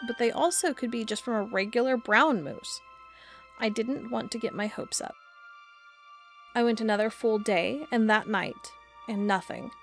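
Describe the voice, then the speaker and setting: Actress as earnest female monster-hunting blogger. Measured first-person storytelling, fairly high voice, audio drama. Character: earnest female cryptid blogger, awed amateur monster hunter.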